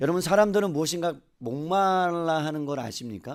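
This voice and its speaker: A man talks fairly slowly in a very clean recording with a silent background. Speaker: pastor. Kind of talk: sermon. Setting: church. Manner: conversational, engaging audience.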